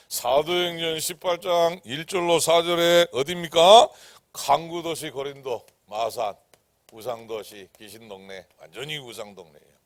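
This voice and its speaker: A man preaching a sermon as pastor, who swings from loud, emphatic declarations to hushed whispers and keeps asking the congregation questions. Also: fairly high pitch, no room sound. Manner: asks the congregation rhetorical questions. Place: church sanctuary.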